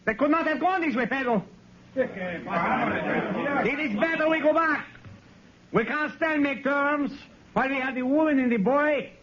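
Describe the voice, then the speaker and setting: Villainous bandit leader, very high voice, theatrical, old dull radio recording. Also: male voice, measured pace, pauses often, a bit bright. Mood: scheming. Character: scheming Mexican bandit leader, adult man. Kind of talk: 1950s radio drama acting.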